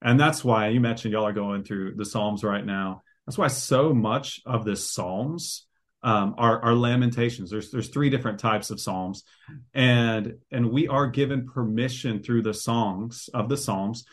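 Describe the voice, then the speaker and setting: A man's voice: mid-range voice, a little slow. A man who is a guest author on a podcast, explaining his ideas in an earnest, preacher-like way. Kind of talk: conversational podcast interview.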